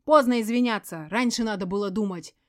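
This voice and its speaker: A woman reading an audiobook voices a furious, spiteful ex-wife who hisses and yells, her voice breaking into shrieks. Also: medium pitch, brisk, no room sound, studio quality, lightly acted. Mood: gloating, spiteful. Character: furious embittered ex-wife, spiteful poisoner, screaming.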